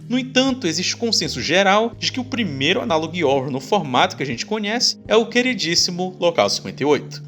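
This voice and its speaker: Lively, high-pitched young Brazilian man. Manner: playful, conversational asides. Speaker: video essay host. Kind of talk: casual scripted narration for a video essay. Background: background music.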